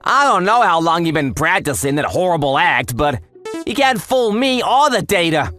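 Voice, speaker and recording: Guy doing accusatory coworker in comic dub, slightly high voice, very animated n taunting, music behind. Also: normal speed. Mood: accusing. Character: sharp, accusatory male coworker exposing a liar. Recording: voice over background music.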